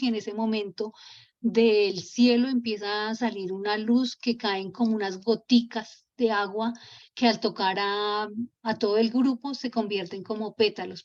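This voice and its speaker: A woman retelling a spiritual book in a conversational way, often pausing and restarting, on a dull lo-fi recording. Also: medium pitch, darkish tone. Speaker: storyteller.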